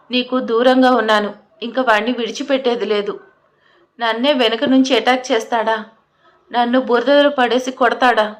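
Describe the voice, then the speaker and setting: A woman's voice: fairly high pitch, close to an everyday voice. A woman voicing a menacing, obsessive young man in an audio story. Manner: threatening, possessive.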